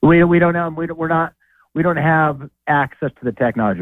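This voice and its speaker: Speaking in an unremarkable speaking voice, a man talks with an American accent. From Idaho. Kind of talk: casual chat. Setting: phone call.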